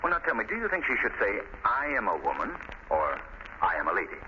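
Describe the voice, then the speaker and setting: Urbane, good-humored young amateur sleuth, vintage radio drama: low, lively, theatrical. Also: male voice, fast talker. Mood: musing, declaiming. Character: suave young wealthy gentleman sleuth, earnest and good-humored. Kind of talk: 1930s radio drama acting. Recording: very noisy, muffled 1930s radio recording.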